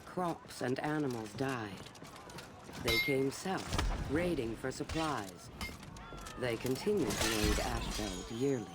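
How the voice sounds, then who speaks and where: An actor voicing a grave, seasoned knight who recounts his homeland's wars in measured, reflective game narration. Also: medium pitch, animated, very noisy. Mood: solemn, reflective. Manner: measured, solemn, reflective storytelling. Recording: battle ambience and clatter behind voice.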